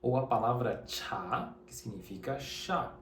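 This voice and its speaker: A man who grew up in Taiwan, with Mandarin as his first language, teaches a relaxed lesson to camera. He talks conversationally and keeps checking in with his listener. His voice sits at a mid pitch, and the room around him is echoey with a faint hiss underneath. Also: unhurried. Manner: conversational, uses many tag questions. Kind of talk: casual spoken lesson to camera.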